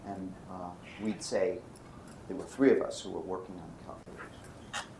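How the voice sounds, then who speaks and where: A man's voice: low-pitched, fairly even intonation, moderate pace, warm tone. An American man from Brooklyn giving a physics lecture, posing questions and answering them himself. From Brooklyn, United States. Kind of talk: lecture with anecdotes. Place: lecture room. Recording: roomy echo, faint background noise.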